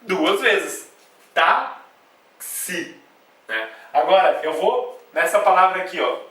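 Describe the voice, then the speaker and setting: A Brazilian man teaches a grammar lesson to camera. He breaks each point into small steps and sounds syllables out slowly, with a bright, somewhat high voice. The camcorder sits some way off, so his voice rings through a very reverberant room. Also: expressive. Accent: Brazilian Portuguese. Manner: explains step by step with frequent checks like "né?" and "tá?". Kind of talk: video lesson at a whiteboard. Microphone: camcorder mic away from the speaker. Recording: echoey room, voice from a distance.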